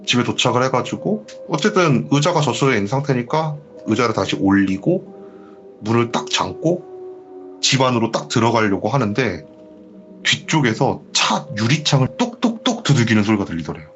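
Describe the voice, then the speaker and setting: Lively man retelling a ghost story. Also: medium pitch, normal speed, lo-fi sound, soft background music. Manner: animated storytelling, acting out quoted lines. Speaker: horror story radio host.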